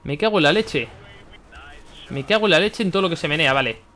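A young man from commenting on his own gameplay, excitable, swearing and shouting at the game. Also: fairly high pitch, a little fast, a little hiss or hum. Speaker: gaming YouTuber.

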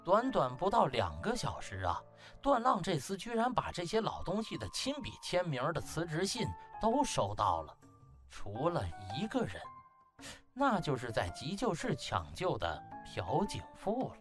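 A man tells a comic story in a dramatized audiobook style. His delivery is extremely lively and varied in pitch, with faint music underneath. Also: normal speed. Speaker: audiobook narrator.

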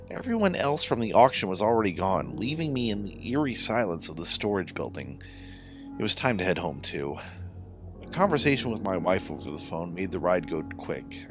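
Low-voiced man narrating horror over music. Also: a bit bright. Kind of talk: scripted first-person horror narration.

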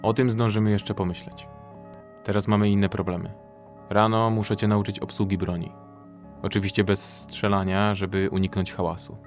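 A man's voice: on the low side, flat delivery, moderate pace, soft background music, lightly acted. An actor playing a practical, protective young male survivor in an audio drama, speaking in a serious, composed manner.

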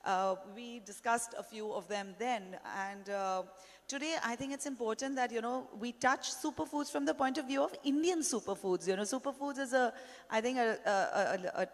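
A woman's voice: a little high, normal speed. Chatty woman moderating a stage panel. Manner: chatty, anecdotal, many fillers. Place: large conference stage. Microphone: handheld mic. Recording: long hall reverb.

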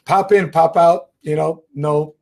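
A man in his forties hosting a business talk show, talking in an energetic, friendly way. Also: a little high, measured pace, vocal fry. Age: 40s. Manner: energetic, friendly, hyped sign-offs. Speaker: show host. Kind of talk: casual hosting chat.

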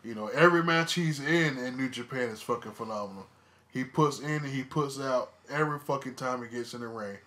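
A man's voice: mid-range voice, fairly quick, a bit bright. A man co-hosting a casual wrestling podcast, blunt and profane, stressing his opinions by repeating words. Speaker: podcast co-host.

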